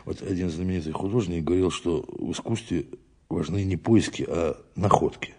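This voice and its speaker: Tired police boss man, deep mellow voice, grumbly and official, radio drama. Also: normal speed, husky. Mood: weary, needling. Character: weary, pressured male police boss. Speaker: police chief. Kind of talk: Russian audio drama acting.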